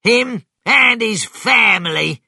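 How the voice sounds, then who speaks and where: A storybook narrator voicing an angry, excitable male farmer with a barking, forceful manner. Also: mid-range voice, slow pace, dry recording, clean studio sound, exaggerated voice. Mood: angry, shouting. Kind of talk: children's storybook character voice.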